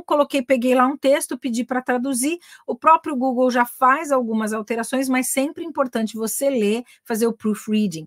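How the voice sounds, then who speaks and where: A woman's voice: on the high side, dry recording, clean studio sound. A Brazilian woman teaching English online. She talks in a chatty way, explains things step by step and keeps checking in with her viewers.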